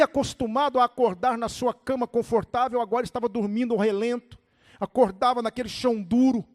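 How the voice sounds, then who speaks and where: A male pastor preaching a sermon with animated storytelling, calling on his listeners by name. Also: very high voice. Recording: echoey hall reverb.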